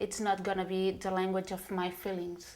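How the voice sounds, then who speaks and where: This is a woman speaking with a Catalan accent. Her pitch sits in the medium range. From Catalonia. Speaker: interviewee. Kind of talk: documentary interview.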